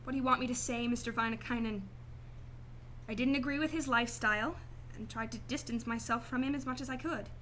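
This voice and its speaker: Cool, detached woman acted, high-pitched. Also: steady tone, fairly quick, fairly bright tone, slight background noise, natural voice. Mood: defensive, cool. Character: cool, detached female client, guarded murder victim's sister. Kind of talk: radio drama acting.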